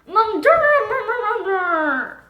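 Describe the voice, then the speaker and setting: A woman's voice: very high voice, very animated, extremely slow, pushed and bright, pitched above the performer's own voice, exaggerated voice. A woman voicing a confident, curious, stubborn little boy in a storybook. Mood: insistent. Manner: stubborn, inquisitive. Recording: echoey room.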